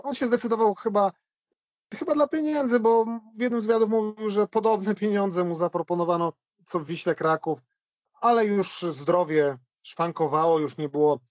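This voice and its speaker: Higher-pitched man talking football, dull dry sound. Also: moderate pace, darkish tone, no echo. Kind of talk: conversational football retrospective.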